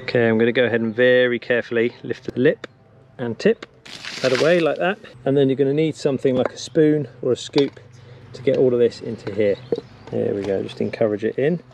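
A man's voice: medium pitch, fairly even intonation, brisk, vocal fry, a little mellow, a little hiss or hum. A man in his thirties giving an upbeat, practical outdoor how-to lesson as a bushcraft instructor, speaking on an action camera in the woods and a cabin. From England. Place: woodland camp and wooden cabin.

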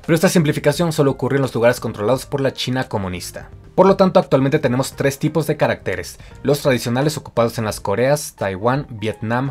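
Man explaining a language in a scripted voice-over, mid pitch, faint music behind. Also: a little mellow. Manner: clear explanatory, listing examples. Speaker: language teacher. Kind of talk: scripted narration.

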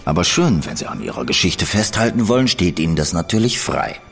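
An actor playing a shrewd, menacing gentleman schemer who speaks in a smooth, ironic and condescending manner. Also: deep voice, very animated, fairly quick, faint music behind, full character voice. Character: shrewd, cool male gentleman spymaster, coldly menacing. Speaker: gentleman in an audio drama. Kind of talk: studio audio drama acting.

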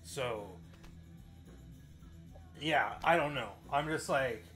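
A man in his forties with a mid-pitched voice talks casually to camera. He rambles and circles back on his own phrases for emphasis, with an offhand swear here and there. Faint music plays behind him. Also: extremely slow, fairly bright tone. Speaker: vlogger and musician. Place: small bedroom home studio, indoors.

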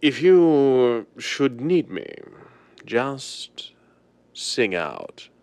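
An actor playing a suave, secretive wealthy gentleman with a smooth, urbane drawl in a 1930s-style radio drama. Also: mid-range voice, big pitch swings, extremely slow, full character voice. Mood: idle, breezy.

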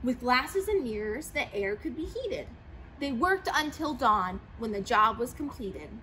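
Young woman, storybook read-aloud, sing-song rhyming, high bright voice, faint hangar hum. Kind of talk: reading a rhyming picture book aloud. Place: large aircraft museum hangar, seated in a plane cockpit.

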